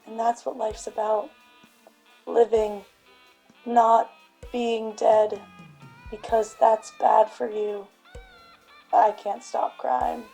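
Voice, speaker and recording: A world-weary radio drama detective, a man played by a woman, speaking slowly with a gravelly creak over music. The delivery is deliberate, earnest and reflective. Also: on the high side, mellow, exaggerated voice, rough recording.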